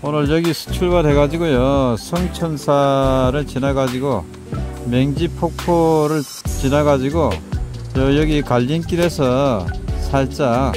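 A man casually narrating a mountain hike as he walks, pointing out the trail and the sights in an unhurried way, recorded outdoors on a handheld camera. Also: medium pitch, fairly even intonation, music in the background. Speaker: hiking vlogger.

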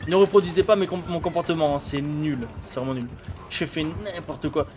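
A man's voice: a little high, a little fast, noisy background. A man in his thirties thinking aloud in blunt, informal live gameplay commentary as a streamer. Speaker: game streamer. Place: indoor streaming setup.

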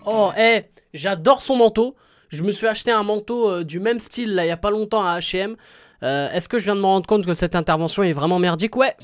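A man's voice: high-pitched, a little fast. A man giving casual, rambling reaction commentary to a music video as a YouTuber, full of slang and calling his viewers bro.

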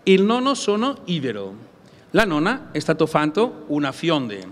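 Halting Catalan-accented man, reverberant amplified sound. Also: a little high, huge pitch swings. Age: middle-aged. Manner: halting, searching for words in non-native Italian. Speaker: conference speaker presenting games. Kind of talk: prepared public presentation. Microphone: gooseneck table microphone.

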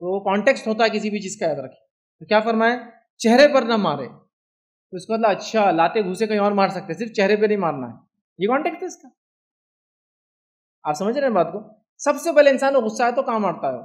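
A man's voice: sits high, animated, fast, long pauses. A man with an Indian accent giving an Islamic lecture, talking in a chatty way and often asking his listeners whether they understand. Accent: Indian Hindi-Urdu. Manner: conversational, keeps asking "do you understand?". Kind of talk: religious lecture.

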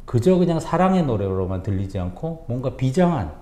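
A man retelling an opera's story in a lively way, acting out the characters' lines as he goes. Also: medium pitch, a little fast. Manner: animated, acts out characters' lines in quotes. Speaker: music critic guest. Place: coffee bar. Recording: roomy echo.

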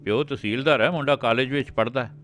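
An earnest, worried old village patriarch, as a man acts him out in a storybook reading. The voice climbs well above the reader's usual low register and stays a touch louder. Faint instrumental music sits far in the background. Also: fast talker, natural voice. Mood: earnest deliberating. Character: older grandfather, anxious village patriarch.

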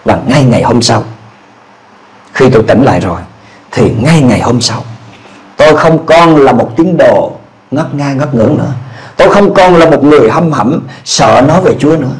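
A middle-aged man from Vietnam preaching a testimony sermon, dropping to low, quiet narration and then rising into loud, fervent exclamations. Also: animated, normal speed, rough recording. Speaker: pastor.

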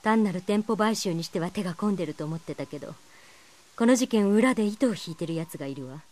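A woman's voice: fairly low pitch, animated, fairly quick, darkish tone, close to an everyday voice. A woman playing a shrewd, sly young companion in a radio drama, with a polished, sarcastically sweet manner. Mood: serious. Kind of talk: Japanese radio drama acting.

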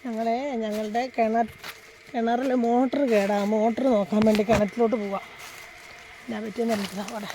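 Woman, Malayali accent, high-pitched, chatty vlog narration, outdoor phone recording, faint background noise. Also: little pitch movement, a little fast, mellow. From Kerala. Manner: chatty, switches to sweet coaxing talk with a child. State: out of breath on a steep climb. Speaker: vlogger. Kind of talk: casual walking vlog narration. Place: outdoors on a hilly farm.

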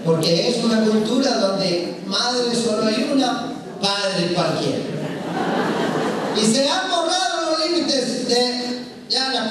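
A Catholic priest with a Colombian accent preaches an emphatic, storytelling charismatic sermon to an audience in a large hall. His voice is extremely high and fairly bright, heard from far off with echo and crowd sound.

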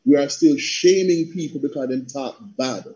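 A man's voice: medium pitch, normal speed. A middle-aged man with a Jamaican accent talking passionately and rhythmically on a panel video call, slipping into patois. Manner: animated, rhythmic, slips into patois. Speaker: panel guest, theatre practitioner and coach. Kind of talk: passionate conversational talk. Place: indoor room at home on a video call. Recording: dull video call audio.

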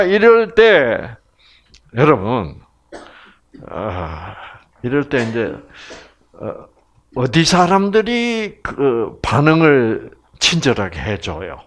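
A man with a Gyeongsang Korean accent lectures at an unhurried pace and tells his stories in a joking way. His pitch rises and falls a great deal as he turns to the audience with questions. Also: a bit bright. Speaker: health program lecturer.

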